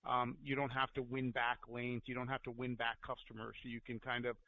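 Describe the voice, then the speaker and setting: A man's voice: medium pitch, flat delivery, a little fast. A man asking long unscripted questions as a financial analyst on a conference call, thinking aloud as he goes. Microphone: telephone conference call. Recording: narrow tinny phone line.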